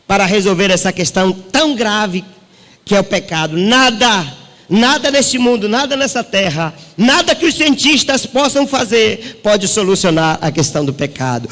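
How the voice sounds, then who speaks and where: A man preaching a sermon as a pastor, asking rhetorical questions and swinging his pitch for drama. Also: fairly bright tone, big-room sound.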